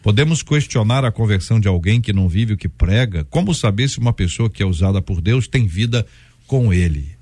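A Brazilian man hosting a radio debate show, joking and teasing his guests in a lively, chatty way. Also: fairly low pitch, brisk, husky, no echo. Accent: Brazilian Portuguese. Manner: jokey, teasing, talks over guests.

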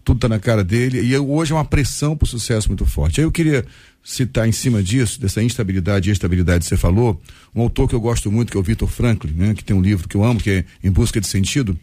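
A man in his fifties, a guest on a Christian discussion program, who speaks in a personal, warm way and quotes books. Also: lowish voice, fast talker, dry recording. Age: 50s. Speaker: panel guest. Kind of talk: Christian radio discussion panel.

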